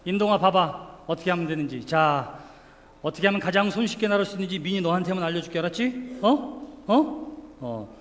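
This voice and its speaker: In an echoing church sanctuary with faint room noise, a male pastor with a high voice gives a playful children's sermon, animated and fairly quick. He coaxes the kids, calls them by name and runs a live demonstration.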